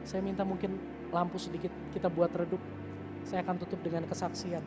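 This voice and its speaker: A man in his thirties, a youth pastor, giving an earnest sermon with a personal testimony, swinging between raised emphasis and hushed confession. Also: high voice, flat delivery, a little fast, over loud music. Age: 30s.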